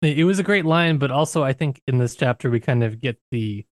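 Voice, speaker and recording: A man's voice: medium pitch, expressive, brisk, no room sound, clean studio sound. A man co-hosting a book discussion podcast, talking in a thoughtful, searching way with frequent restarts. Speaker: podcast co-host.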